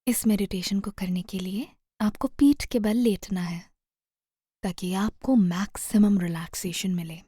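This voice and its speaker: Slow, breathy woman guiding meditation. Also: mid-range voice, no echo, studio quality. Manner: soothing, gentle, often trailing into breathy near-whisper. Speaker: guided meditation narrator. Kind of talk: slow guided meditation narration.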